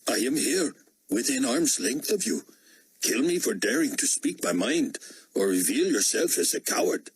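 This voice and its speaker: Man acting a defiant, husky Indian official. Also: medium pitch, sing-song, moderate pace, voice pushed up, rough recording. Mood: bitter defiance. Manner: pleading yet defiant, outspoken. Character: defiant, anguished Indian male cabinet member.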